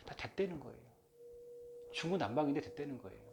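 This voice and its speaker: A man's voice: on the high side, lively intonation, fast talker, gravelly, noisy background. A man hosting his own channel, giving a casual, rambling lecture on folk religion with lots of fillers and joking asides. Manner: rambling and chatty, with many fillers and self-aware jokes; playfully mimics regional dialects. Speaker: channel host talking about folk religion.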